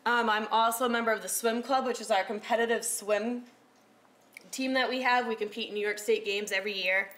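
A woman in her thirties giving a casual talk as a recreational therapist, loud-voiced and chatty with lots of fillers. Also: on the high side, steady tone, a little fast. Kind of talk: casual talk to a small audience. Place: room with a presentation screen.

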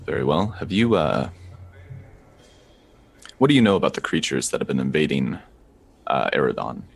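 A man playing a solemn male adventurer who speaks formally and earnestly, with some halting restarts. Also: extremely low pitch, big pitch swings, gravelly, husky, pitched below the performer's own voice, exaggerated voice.

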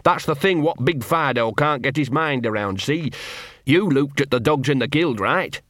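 A man's voice: mid-range voice, expressive, moderate pace, a bit bright, no room sound, clean studio sound, voice pushed up, natural voice. Man voicing a nervous rambling scruffy dog. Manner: rambling, ungrammatical, wheedling. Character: nervous streetwise scruffy male talking dog.

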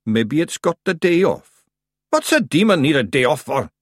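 A man voicing a tiny, rowdy blue Scottish warrior with broad excitable dialect, in an audiobook story. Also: a little high, moderate pace, dry recording, studio quality, voice pushed up. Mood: bickering.

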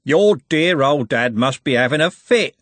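A man's voice: a little high, a little fast, no room sound, voice pushed up, natural voice. A man voicing a menacing, working-class street bully in an audiobook, goading in colloquial speech. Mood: taunting.

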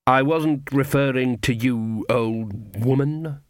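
A man's voice: a little high, animated, a little slow, no echo, clean studio sound, voice pushed up. A man voicing a cold, imperious older witch woman in an audiobook, haughty and scornful. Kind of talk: audiobook character acting.

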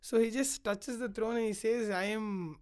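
A woman retelling an ancient epic in a casual podcast chat, animated and emotional, with lots of "like" fillers. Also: fairly high pitch, normal speed. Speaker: podcast storyteller.

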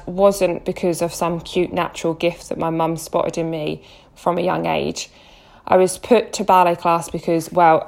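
Gravelly-voiced English woman from Essex. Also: lowish voice. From Essex, England. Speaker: podcast host. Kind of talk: scripted solo podcast intro.

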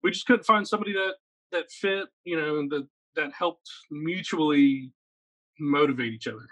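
Guest, male, 30s, from Virginia, slightly higher voice, energetic and rambling. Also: normal speed, low-quality recording. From Virginia, USA. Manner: energetic, rambling, lots of "like" and "right?". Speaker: guest, metal guitarist. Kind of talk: casual interview chat.

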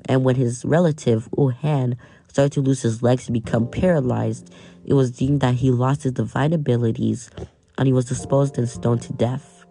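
A young Nigerian man with an American accent hosts a scripted history podcast, his voice medium-pitched, creaky, and mellow. He reads from the script and often restarts when he stumbles over names.

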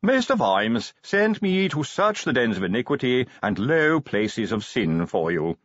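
A man voicing a cheerful, zealous preacher-constable who speaks slowly and piously. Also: medium pitch, big pitch swings, fairly bright tone, no echo, muffled recording. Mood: earnest.

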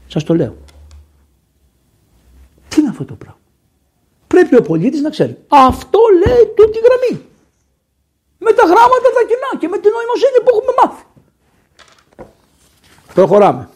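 Male priest from Greece, sermon, animated delivery with loud emphatic peaks. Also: on the high side, husky. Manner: lively, conversational preaching with sudden raised emphasis.

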